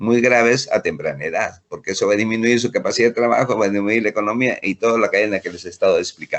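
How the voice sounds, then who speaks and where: The man talks at a very fast pace. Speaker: university professor. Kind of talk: lecture.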